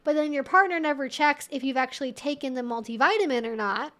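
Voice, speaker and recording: A woman with a high voice hosts a live question-and-answer stream. She talks in a casual, explanatory way, sprinkling in "like" and "you know" as she works through her points. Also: fast, sharp tone. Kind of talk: casual educational livestream talk.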